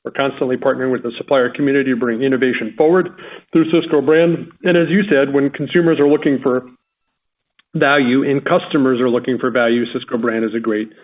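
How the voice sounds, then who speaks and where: A man's voice: mid-range voice, fairly even intonation, fairly quick. A company executive, a man, answering an analyst on an earnings call in a confident, emphatic way. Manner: confident, emphatic business talk. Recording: tinny phone line.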